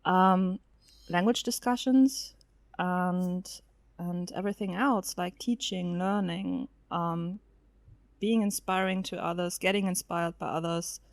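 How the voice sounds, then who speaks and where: A woman whose first language is German, chatting as a podcast guest, laughing often and pausing with lots of fillers. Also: lowish voice, fairly even intonation, no room sound. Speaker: featured guest. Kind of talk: casual podcast interview.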